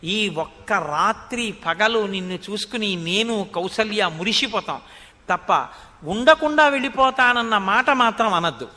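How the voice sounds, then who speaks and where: An old king, grieving and pleading with his departing son, as a preacher tells it in his own voice. The voice is high and bright. It rings with a long hall reverb. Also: animated, measured pace, full character voice.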